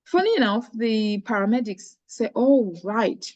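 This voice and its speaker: A woman's voice: a little high, lively intonation, measured pace, darkish tone, dry recording, dull audio. A middle-aged woman from Cameroon, a charity founder earnestly telling her personal story in an interview, often restarting her phrases.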